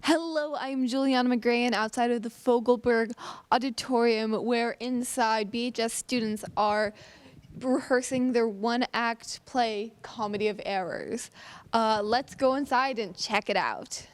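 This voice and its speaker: A woman's voice: on the high side, a little slow. A teenage girl working as a student reporter, delivering a scripted, upbeat news stand-up. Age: teens.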